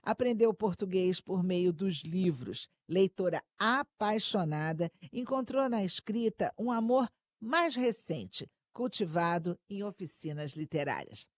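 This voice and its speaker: A woman's voice: lowish voice, a little slow, dry recording. A woman interviewing an author, first reading an introduction and then asking questions. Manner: reads the introduction, then asks questions in a lively way.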